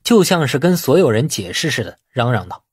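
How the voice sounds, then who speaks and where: Expressive male audiobook narrator, slightly husky. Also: medium pitch, a little fast, no echo, clean studio sound. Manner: expressive storytelling, acting out dialogue. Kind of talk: dramatic scripted narration of a novel.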